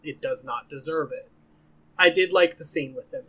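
A man in a casual podcast chat who drops dry, joking one-liners. His voice sits high for a man and sounds bright. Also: moderate pace, slightly rough, low-quality recording. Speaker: podcast co-host.

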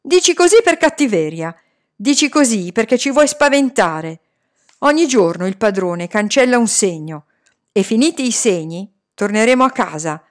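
A woman voicing a frightened, stubborn boy who shouts back defiantly. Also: medium pitch, lively intonation, moderate pace, natural voice. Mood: angry, defiant.

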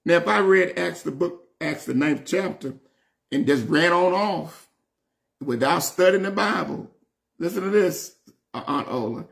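Man in his sixties, Southern US accent, creaky voice, slightly high pitch, emphatic Bible teacher, informal sermon style. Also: unhurried. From Southern United States. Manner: emphatic, folksy, repeats phrases, calls on listeners. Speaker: bishop teaching Bible study. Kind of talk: informal Bible study sermon, reading and explaining scripture. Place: indoor room at home, seated before French doors.

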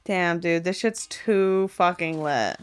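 A woman's voice: lowish voice, slow pace, clean tone, soft background music. A woman in her twenties co-hosting a podcast in casual, sweary, slangy chat on a close studio microphone. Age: 20s. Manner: slangy, sweary, with heavy filler "like". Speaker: podcast co-host. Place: small room, indoors. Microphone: podcast microphone on boom arm.

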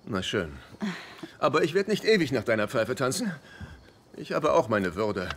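A man's voice: mid-range voice, sing-song, normal speed, a little hiss or hum. An actor playing a hapless, whiny divorced man in a German-dubbed sitcom, wry and sometimes hesitant. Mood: pleading. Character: hapless divorced man, needy, whiny, self-mocking lover.

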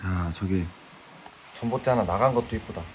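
A man's voice: on the low side, slight background noise. A young man from Korea with a Korean accent, chatting in broken English on his travel vlog. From South Korea. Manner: broken English, laughs at himself, quick chatty asides. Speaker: travel vlogger. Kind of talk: casual chat. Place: outdoor seaside café terrace at night. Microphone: action camera, no separate mic. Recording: loud music over the talk.

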